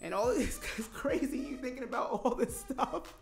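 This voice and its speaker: A woman's voice: sits high, normal speed, creaky, faint music behind. A woman in her forties hosting a radio talk show, chatting casually with many fillers and easy laughs. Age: 40s. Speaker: radio host. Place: radio studio. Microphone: studio microphone.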